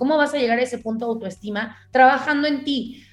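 The woman's voice is high in pitch. Her intonation is lively. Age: 20s. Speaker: life and performance coach. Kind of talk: interview.

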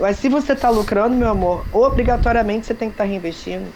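The speech comes at a very fast pace in a Rio de Janeiro accent. Pitch variation is ordinary. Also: woman. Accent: carioca (Rio). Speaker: artist manager. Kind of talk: casual interview.

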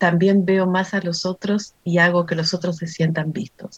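Somewhat breathy and at a fairly slow pace, the voice keeps a fairly even intonation in a dry, close sound with no echo. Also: woman. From Argentina. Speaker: translator and university teacher. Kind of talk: group interview conversation.

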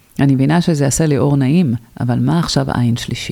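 A woman with a dark, mellow tone talks at a moderate pace. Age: 60s. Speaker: yoga and spiritual teacher. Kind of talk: casual chat.

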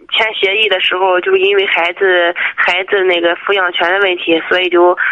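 Moderate pace from a woman against noticeable background noise. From Shandong, China (Jinan, Shanghe). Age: 20s. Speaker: caller. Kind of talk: call-in advice conversation. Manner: hesitant, many fillers.

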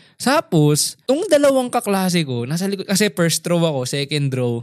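Animated in tone, a man speaks in a high pitch with very wide pitch swings. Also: dry, close sound with no echo. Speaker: podcast co-host. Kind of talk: casual chat.

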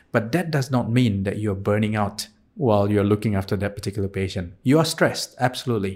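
In a very clean recording with a silent background, a speaker with a non-native accent goes at a very fast pace with hardly any pauses and ordinary pitch variation. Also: man. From Singapore, born in Indonesia. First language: not English. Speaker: surgeon. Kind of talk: interview.

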